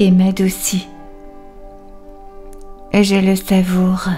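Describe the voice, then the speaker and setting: The speech moves at a very slow pace. Music plays in the background. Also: woman. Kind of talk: guided meditation reading.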